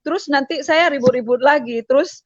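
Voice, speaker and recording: A middle-aged woman giving an emotional personal testimony, repeating herself and pausing with hesitations. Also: high voice, no echo, lo-fi sound. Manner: emotional, repetitive storytelling with frequent hesitations. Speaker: testimony speaker.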